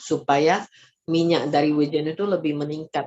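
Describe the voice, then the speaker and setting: The speaker is a woman. Her voice sits very deep and low in pitch. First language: Mandarin (speaking Indonesian). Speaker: health product seller and online class teacher. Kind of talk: online class presentation. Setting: video call. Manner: hesitant, many fillers.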